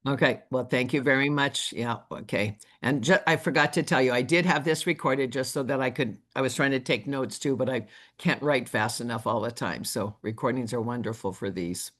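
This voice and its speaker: A man in charge of a district talks through a difficult decision on a recorded call. He speaks in a measured, halting way and fills pauses with ums and uhs. His voice sits at an everyday middle pitch. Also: fairly bright tone. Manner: measured, hesitant, many fillers. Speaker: district leader.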